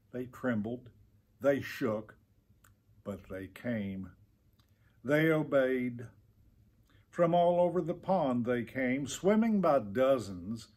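Slow, husky older man reading a storybook. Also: mid-range voice, darkish tone. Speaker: teacher reading aloud to students. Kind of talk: expressive children's storybook read-aloud. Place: indoor room with tiled drop ceiling.

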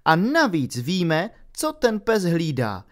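Storybook schoolboy: lively, a bit grumbly, explains things plainly, read by a man. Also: fairly high pitch. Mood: matter-of-fact. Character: cheeky schoolboy wizard, easily bored.

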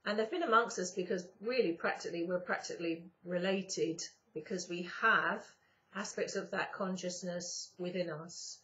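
Croaky-voiced woman channeling star beings. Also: fairly low pitch, sharp tone. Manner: slow, drawn-out phrasing with pauses. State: croaky morning voice. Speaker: spiritual channeler and YouTuber. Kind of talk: casual spiritual monologue to camera. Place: indoors, sitting on a sofa at home. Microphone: webcam at close range. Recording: slightly dull webcam audio.

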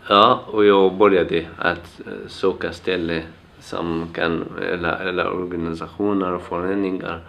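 Man, 20s, Arabic accent, very low gravelly voice, slow halting delivery, dull recording. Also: flat delivery, a bit bright. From Syria. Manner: halting, searching for words. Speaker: interviewee, young migrant. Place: small plain room. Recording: dull, muffled camera sound.

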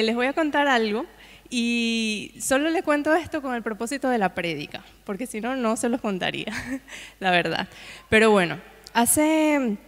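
A woman preaching, telling a personal testimony to a congregation in a conversational way with frequent asides. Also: on the high side. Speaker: guest preacher. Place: church hall. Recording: long hall reverb.

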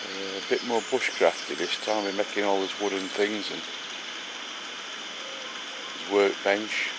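A man's voice: low voice, steady tone, measured pace. A middle-aged man, chatting casually to a handheld camera in a woodland camp. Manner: chatty, affectionate banter. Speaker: vlogger filming a camping trip. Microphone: handheld camera, selfie distance. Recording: outdoor camera audio with clear background noise.

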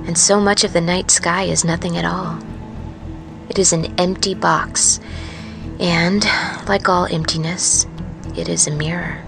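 A woman playing a weary, haunted truck driver, musing in a hushed, halting monologue for a fiction podcast. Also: lowish voice, fairly even intonation, gravelly, music in the background. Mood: wry, wistful. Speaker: narrator of serial fiction podcast. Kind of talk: dramatic first-person audio fiction monologue.

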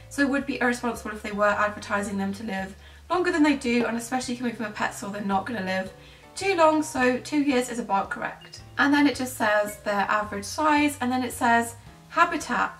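British woman, twenties, fairly high voice, casual vlog commentary, roomy bedroom sound, music behind. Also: fairly quick, a bit bright. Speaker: pet-care vlogger. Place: small bedroom indoors. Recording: roomy echo, distant microphone, faint music.

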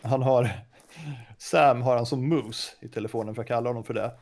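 Co-player, man, easygoing and chatty, medium everyday pitch. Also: fairly even intonation, a little mellow. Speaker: co-player and guest. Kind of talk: casual gaming chat.

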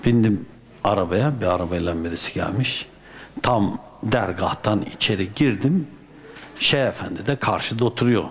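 A man from Turkey, a dervish, telling a personal anecdote in a colloquial, lively way with folk sayings. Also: on the low side, moderate pace, a little hiss or hum. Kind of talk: casual spoken anecdote.

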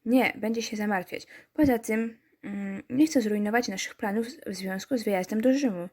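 In the relaxed style of a let's-play, a woman with a mid-range voice reads a story game aloud, frequently pausing to toss wry, chatty remarks to her viewers. Her pace is moderate and her tone slightly mellow.

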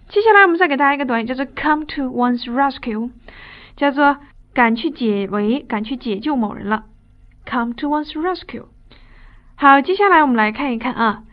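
Woman ESL teacher, high voice, lecture with slow drilled phrases, dull lo-fi audio. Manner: switches between fast chatty explanation and slow drilled English phrases. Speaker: English teacher. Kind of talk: recorded classroom lecture.

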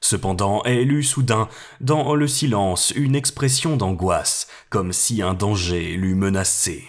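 A man narrating a classic novel as an audiobook reader in a calm, steady way. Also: on the low side, unhurried. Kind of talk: scripted narration.

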